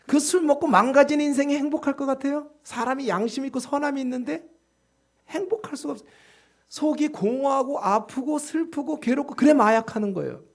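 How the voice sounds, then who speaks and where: High-pitched, lively preaching man. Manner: emphatic, asks the congregation rhetorical questions; swings between loud exclamations and hushed, slow asides. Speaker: pastor. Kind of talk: sermon.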